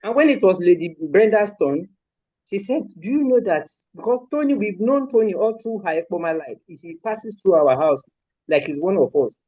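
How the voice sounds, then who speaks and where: Speaking with a Nigerian accent, this older woman from Lagos appears as a guest on a live interview, a mother and grandmother describing how she raised her children. She hammers her points home firmly and emphatically, repeating them with force, in an expressive, medium-pitched voice at normal speed. The recording is dry, with a narrow, tinny quality.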